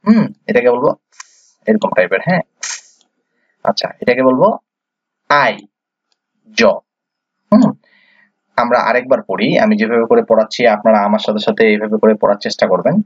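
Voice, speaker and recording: Speaking at a normal speed but with long pauses, a medium-pitched man from Bangladesh runs an English reading lesson. He spells out letters individually and patiently poses questions only to answer them himself, his breathy voice captured in dull, dry, lo-fi audio without room sound.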